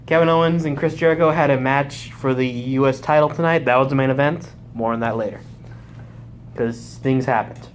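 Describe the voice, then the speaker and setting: A man's voice: medium pitch, moderate pace, slight background noise. A young man casually recapping a wrestling show live, rambling and correcting himself as he goes. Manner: rambling, self-correcting, excitable.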